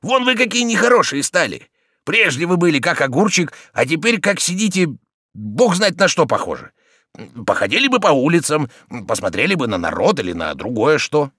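A man's voice: fairly high pitch, sing-song, normal speed, pushed and bright, no room sound, studio quality, pitched above the performer's own voice, exaggerated voice. A man reading an audiobook voices a timid, grumbling old manservant who mumbles and pleads. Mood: plaintive.

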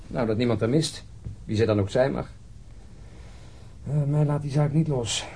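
An actor playing a world-weary police detective in a radio drama, grumbling in a sardonic way. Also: male voice, medium pitch, normal speed, dark tone, a little hiss or hum, close to an everyday voice. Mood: troubled.

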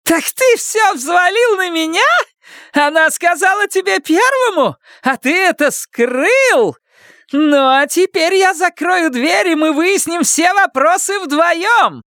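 Man putting on a shrill screeching mother, raging, sarcastic, swooping high voice, dry close sound. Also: animated, slow pace, sharp tone, dry recording, exaggerated voice. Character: shrieking furious middle-aged mother. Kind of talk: audiobook character reading.

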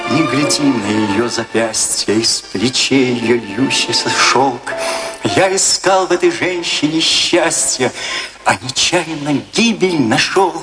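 An actor playing a romantic, lovesick male poet, reciting verse in drawn-out, declamatory phrases in a radio play. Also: medium pitch, music in the background, natural voice. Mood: anguished, fervent.

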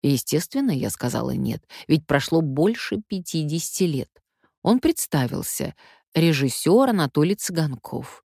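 Older actress with a low, dry voice. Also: female voice, normal speed, creaky, slightly rough, dry recording. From Omsk, Siberia, Russia. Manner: wry, lively anecdotal narration. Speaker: stage actress. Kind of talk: memoir storytelling.

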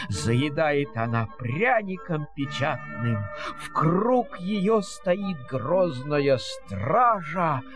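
Slow, theatrical male storyteller over music. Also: on the high side. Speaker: narrator. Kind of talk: expressive fairy-tale narration in verse.

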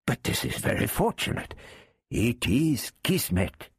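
A man voicing a wily, overly polite male thief who fawns and keeps flattering his captive. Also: mid-range voice, a little slow, vocal fry, slightly rough, no room sound, clean studio sound, pitched above the performer's own voice, exaggerated voice. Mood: wheedling. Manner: fawning, keeps saying my lord.

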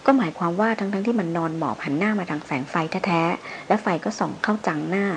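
A woman's voice: on the low side, quick pace, a little hiss or hum, voice pushed up, lightly acted. A woman reading as a fierce proud hunter. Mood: urgent. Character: fierce adult male hunter, hot-headed and proud. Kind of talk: audiobook character reading.

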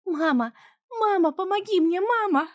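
Woman voicing a shrill whiny teenage girl. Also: big pitch swings, normal speed, a little mellow. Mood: screaming. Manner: whining, shrill and pleading. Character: whiny defiant fifteen-year-old girl.

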